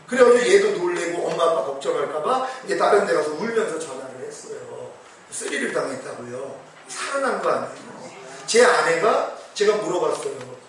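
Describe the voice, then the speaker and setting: A man's voice: expressive, brisk, few pauses. A middle-aged man preaching a sermon as pastor, telling a personal testimony with emotion and rising to fervent exclamations. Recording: boomy echo, distant mic, faint hiss.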